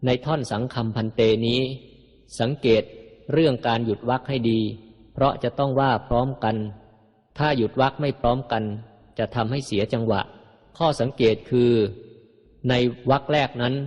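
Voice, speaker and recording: A man calmly teaching how to chant and pronounce the ritual words, speaking in a slow, measured way and saying each example sound twice. His mid-pitched voice carries a long echo, as if recorded in a large hall. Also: dull audio. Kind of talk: instructional explanation with chanted examples.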